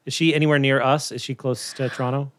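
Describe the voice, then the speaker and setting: A man's voice: medium pitch, level tone, fast talker, a bit bright, dry recording, clean studio sound. A man co-hosting a food podcast, chatting in an easygoing, encouraging way. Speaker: podcast co-host. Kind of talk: casual chat.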